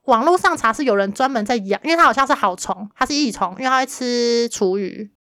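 Fast-talking woman with a Taiwanese accent. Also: a little high, no room sound, studio quality. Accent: Taiwanese Mandarin. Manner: lively storyteller, acts out her mother's lines. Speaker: podcast co-host. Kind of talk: casual chat.

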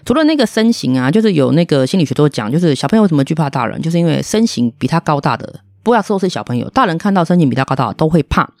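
A woman's voice: low-pitched, sing-song, racing, hardly any pauses, no room sound, clean studio sound. A woman, a podcast host telling a story in a blunt, indignant, ranting way. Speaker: podcast host, restaurant owner. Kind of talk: casual storytelling monologue.

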